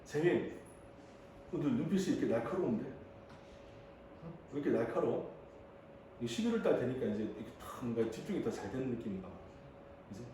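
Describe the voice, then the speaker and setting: A man in his thirties teaching high school English, chatting and joking with his students as he calls on them to read. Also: sing-song, fairly quick, pauses often, warm tone, distant mic. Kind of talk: classroom lecture. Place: classroom. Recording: echoey room, voice off-mic, faint hiss.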